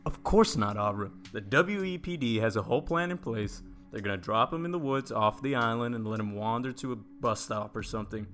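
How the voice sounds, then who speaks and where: A man's voice: medium pitch, animated, fairly quick, few pauses, a bit bright, lightly acted. An actor playing a blunt, dismissive man in an audio drama, speaking in a curt, confident, matter-of-fact way. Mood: dismissive, assured. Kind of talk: naturalistic audio drama podcast acting.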